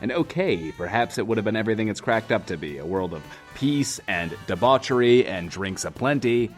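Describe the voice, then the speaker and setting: An actor playing a self-important, wordy, lonely radio host in a post-apocalyptic bunker, in an audio drama. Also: male voice, fairly low pitch, lively intonation, brisk, soft background music, natural voice. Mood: showy, defensive. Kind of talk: in-world radio show monologue, audio drama.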